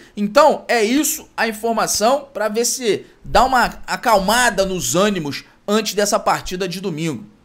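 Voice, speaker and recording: This man sounds animated, with a high pitch. He speaks at a fairly slow pace. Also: ordinary pitch variation. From Brazil. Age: 40s. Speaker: football YouTuber. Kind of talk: sports news commentary. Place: home room. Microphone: studio mic.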